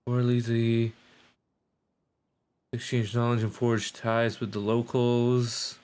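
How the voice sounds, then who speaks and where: Male game streamer: mid-pitched, casual, rambling, loose-tongued live commentary. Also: level tone, takes it slowly, darkish tone, clear, resonant tone. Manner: sweary, rambling.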